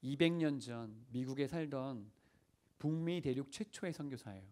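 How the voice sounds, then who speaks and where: A man's voice: medium pitch, expressive, normal speed, a little mellow. A man preaching as senior pastor, telling stories earnestly and asking the congregation questions. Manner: earnest storytelling, acting out prayers and dialogue. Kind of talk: sermon.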